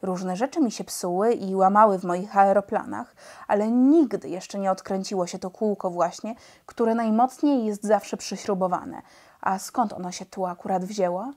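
A woman's voice: medium pitch, moderate pace, dark tone, lightly acted. A woman voicing a stubborn, indignant one-eyed legless male pilot in a storybook reading. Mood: baffled.

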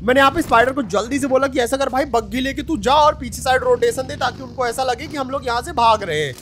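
A young man narrating his own gameplay in a chatty, excited voice-over, talking straight to his viewers. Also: very high-pitched, fast talker, soft background music. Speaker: gaming YouTuber.

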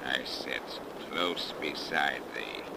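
An actor in a 1930s radio drama playing a menacing, cursed sea captain who speaks in archaic, theatrical, halting phrases. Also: male voice, extremely low pitch, expressive, vocal fry, full character voice. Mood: brooding. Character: brooding, menacing, God-hating cursed old sea captain. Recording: noisy 1930s radio broadcast.

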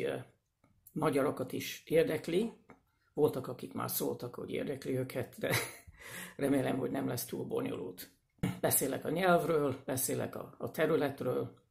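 A man giving a casual explanatory video lesson, speaking hesitantly with pauses, fillers and restarts. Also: medium pitch, vocal fry, a little mellow. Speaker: language presenter.

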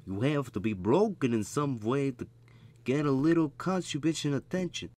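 A man's voice: medium pitch, lively intonation, normal speed, a little mellow, dry recording, close to an everyday voice. A man voicing a jaded, cynical cartoon cat with a whispery voice. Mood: weary cynicism.

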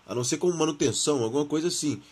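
A man's voice: a little high, rapid-fire, darkish tone, breathy edge. A Brazilian man hosting a gaming channel, reading and commenting on news in informal, slangy talk, his throat sore from the flu.

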